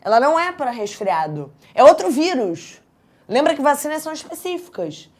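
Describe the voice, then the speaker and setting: A Brazilian woman teaching an exam prep class in a chatty, lively way, often checking in with her students. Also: high voice, moderate pace. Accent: Brazilian Portuguese.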